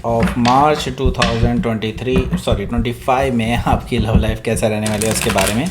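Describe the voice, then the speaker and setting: A man gives a casual tarot reading, mixing in English phrases and many fillers, his throat sore and husky today. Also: mid-range voice, fairly even intonation, moderate pace, noisy background. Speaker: tarot reader.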